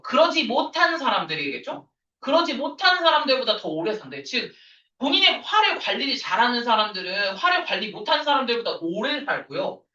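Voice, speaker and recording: Lively woman teaching English, roomy sound. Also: medium pitch. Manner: lively, switches between casual and polite speech. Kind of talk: casual classroom lecture. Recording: roomy, distant, dull lo-fi sound.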